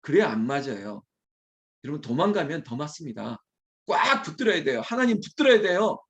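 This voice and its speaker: A man, a pastor, preaching an early morning prayer sermon in a candid, conversational way, teasing and scolding his small congregation, then quickly apologizing. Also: a little high, sing-song, a bit bright.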